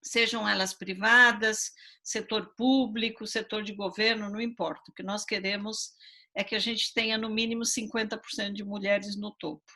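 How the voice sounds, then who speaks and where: A woman's voice: medium pitch, level tone, normal speed. A woman hosting a live online talk, speaking emphatically with frequent hesitations. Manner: warm, emphatic, many "é" fillers. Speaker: committee host opening a live event.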